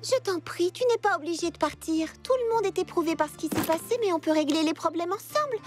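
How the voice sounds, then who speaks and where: A woman voicing a sweet, caring young girl in an earnest, expressive way for a French cartoon dub. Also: very high-pitched, quick pace, faint music behind. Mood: gentle, pleading. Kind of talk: French animated series dub.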